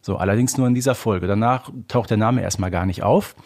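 A man with a German accent speaks as a podcast co-host in a fairly low voice. He lays out his points casually and matter-of-factly, like a fan explaining details to a friend. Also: brisk, darkish tone.

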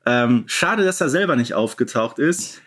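A man co-hosts a fan podcast, explaining things in a casual, conversational way. His voice has a medium pitch for a man. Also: animated, moderate pace, a bit bright. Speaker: podcast host.

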